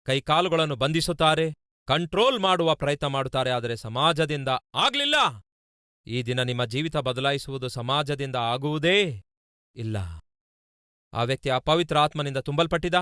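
A male pastor preaching with a Kannada accent, firing rhetorical questions and repeated lists, rising to loud peaks and dropping to low asides. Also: dry recording, studio quality. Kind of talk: sermon.

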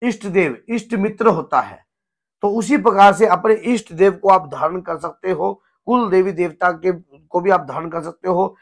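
Hoarse man giving a devotional talk. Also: high-pitched, moderate pace. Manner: earnest, gesturing, repeats himself. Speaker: spiritual guru. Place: home room with a shrine, indoors.

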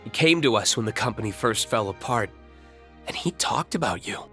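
An actor playing a reckless, thrill-seeking young man in a video game, emotional and sardonic, with a husky voice. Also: lowish voice, animated, normal speed, pushed and bright, faint music behind. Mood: sly, confiding. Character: reckless thrill-seeking young man, betrayed creation pleading with his father. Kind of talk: dramatic video game voice acting.

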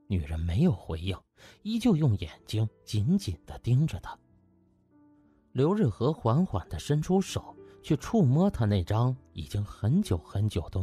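A man's voice: mid-range voice, warm tone, breathy edge. A man narrating an audiobook in a dramatic, scripted storytelling style. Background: faint music.

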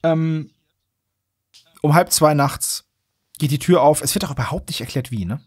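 A man's voice: on the high side, moderate pace, darkish tone, husky. A man hosting a podcast, recapping a story in a casual, wry, joking way. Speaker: podcast host.

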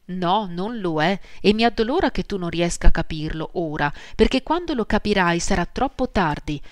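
A woman's voice: fairly low pitch, animated, moderate pace, no echo, studio quality, natural voice. A woman reading a furious stern mother. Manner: hissing, cold and resolute. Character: stern proud adult woman, angry mother.

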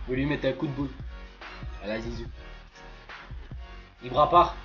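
A young man gives casual, excited commentary on a football video game, slangy and prone to swearing and exclaiming at plays. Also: mid-range voice, moderate pace. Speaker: gaming video creator playing a football game. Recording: dull lo-fi voice track with music behind.

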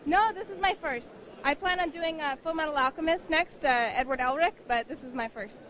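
A woman's voice: high-pitched, fairly quick, fairly bright tone. A young woman cosplayer, shy and giggly with many ums, answering questions into a handheld mic in a convention hall. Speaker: cosplayer interviewee. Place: crowded indoor convention hall. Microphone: handheld mic held by interviewer.

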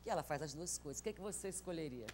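A woman's voice: sits low, animated, rapid-fire, a little mellow, slight background noise. A middle-aged woman, interviewing conversationally on stage and reading out questions. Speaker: interviewer, journalist. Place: stage before a seated audience. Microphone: lapel microphone.

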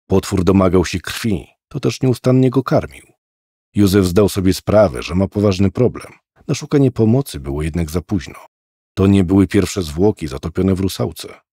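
Male horror narrator, very deep voice, husky and dark, lively delivery, dry close sound. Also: no echo. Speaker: audiobook narrator. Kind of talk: scripted narration.

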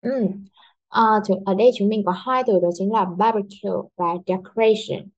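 A young woman teacher leads pupils through a lesson in an even, mid-pitched voice. She explains patiently, step by step, and keeps checking that they follow. The recording sounds a little dull and lo-fi. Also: normal speed. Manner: patient, explains step by step, asks "đúng không". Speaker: English teacher. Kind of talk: online lesson for schoolchildren.

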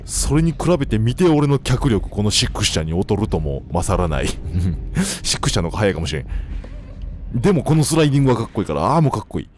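A young man with a Kansai accent giving casual, joking commentary while playing a game, talking to the characters and shouting now and then. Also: fairly low pitch, big pitch swings, fast talker, slight background noise. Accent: Kansai Japanese. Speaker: gameplay commentator. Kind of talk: casual let's-play commentary. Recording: faint game music behind.

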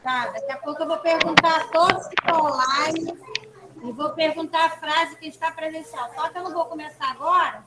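High-voiced Brazilian teacher, echoey classroom. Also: female voice, heavy background noise. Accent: Brazilian Portuguese. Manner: patient, coaxing, sounds out syllables slowly. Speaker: primary school teacher. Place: school classroom with children. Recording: echoey classroom with loud children's chatter.

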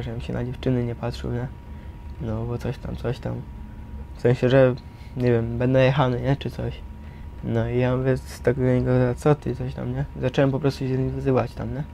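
Gravelly, flat-toned young man. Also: mid-range voice. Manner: halting, slangy, frequent tag questions. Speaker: resident of a youth correctional centre. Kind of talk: casual personal recollection. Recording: some steady background noise.

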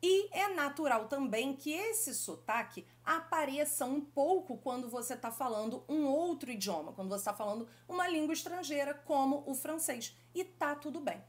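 Lively Brazilian woman teaching French. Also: high-pitched, normal speed, hardly any pauses. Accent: Brazilian Portuguese. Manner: affectionate, lively direct address to viewers. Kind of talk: YouTube language lesson.

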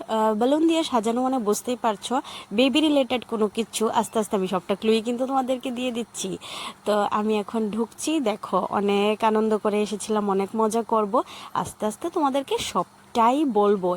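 Hoarse woman giving a vlog voice-over. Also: fairly high pitch, slight background noise. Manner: chatty, with many hesitant fillers. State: hoarse from a cold. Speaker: family vlogger.

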